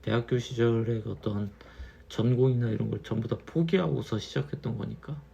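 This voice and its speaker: A man in his thirties, a little tipsy from wine, musing slowly in a casual monologue and repeating his phrases. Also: mid-range voice, creaky, dark tone, breathy edge, lo-fi sound. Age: 30s. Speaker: channel host.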